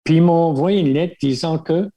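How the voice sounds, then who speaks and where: An older Acadian man from Baie Sainte-Marie, with a gravelly, mellow voice. He reminisces in an easygoing way, breaking his sentences with fillers and light chuckles. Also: on the high side, moderate pace. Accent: Acadian French from Baie Sainte-Marie. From Baie Sainte-Marie, Nova Scotia. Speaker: guest, religious brother. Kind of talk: casual storytelling interview.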